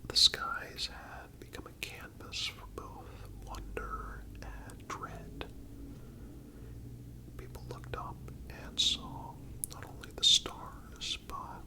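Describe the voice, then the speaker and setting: A man narrating a scripted documentary-style story as ASMR in a breathy, unvoiced whisper, with deliberate phrasing and frequent pauses. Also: bright, forceful tone.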